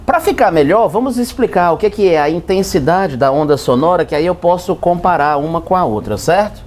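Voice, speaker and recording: A man's voice: expressive, brisk, a little mellow, slight background noise. A man giving a joking physics lesson, playfully asking and answering his own questions. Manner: playful, talks to himself in both roles, swings pitch for effect. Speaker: physics teacher.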